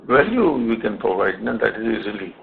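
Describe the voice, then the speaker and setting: A man with an Indian accent answering questions as a company executive on an earnings call, in a halting way with repeated words. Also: fairly low pitch, sing-song, vocal fry, slight background noise. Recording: muffled narrow phone conference line.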